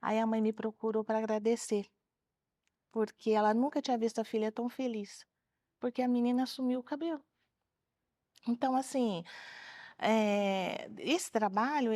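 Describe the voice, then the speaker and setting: A middle-aged woman speaks as a guest in a studio interview, telling classroom stories with animation. Her voice sits fairly high, and the sound is dry and close, with no room echo. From Brazil. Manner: animated storyteller, acts out children's voices. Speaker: retired teacher and author, guest. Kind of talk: interview storytelling.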